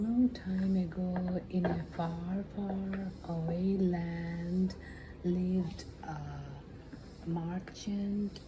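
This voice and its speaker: A woman telling a fairy tale as an ASMR storyteller, in simple, halting, improvised phrases. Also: on the low side. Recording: clearly noisy background.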